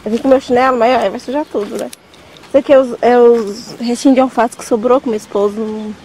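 A woman's voice: fairly high pitch, steady tone, a little fast, warm tone, slight background noise, poor audio. A young Brazilian woman chatting casually to her viewers while walking through her vegetable garden and pointing things out. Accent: Brazilian Portuguese. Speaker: vlogger. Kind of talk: casual vlog chat to viewers. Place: outdoors in a vegetable garden on a farm.

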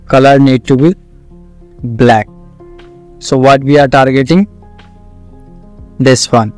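Slow, clear South Asian man teaching. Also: medium pitch, steady tone, soft background music. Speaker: coding tutorial instructor. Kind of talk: screen-recorded tutorial, explaining step by step.

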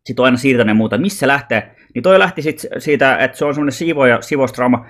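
A man's voice: medium pitch, fairly bright tone. A man telling a personal story in a loose, rambling vlog monologue, informal and often swearing. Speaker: vlogger.

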